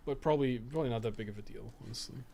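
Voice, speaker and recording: Male gameplay commentator, average pitch, musing and self-questioning, conversational asides, slightly noisy recording. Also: rapid-fire, gravelly, dark tone. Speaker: podcast co-host and game guide writer. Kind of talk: casual gameplay commentary, thinking aloud.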